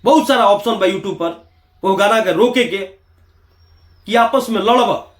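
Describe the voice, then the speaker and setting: High male voice, Bihari Bhojpuri accent, opinionated commentary, emphatic delivery, echoey recording. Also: measured pace. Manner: emphatic, rhetorical. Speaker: YouTube commentator. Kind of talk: opinionated video commentary to viewers.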